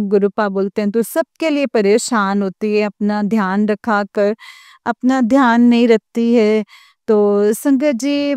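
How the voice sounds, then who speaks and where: A woman's voice: on the high side, mellow, smooth, dry recording, clean studio sound. A middle-aged woman giving an earnest, emotional devotional testimony and often addressing the congregation. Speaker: devotee sharing a satsang testimony.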